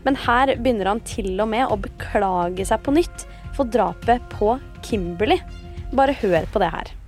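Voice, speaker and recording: A woman's voice: medium pitch, darkish tone, soft background music. A woman host telling a true-crime story in a conversational, semi-scripted narration. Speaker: podcast host.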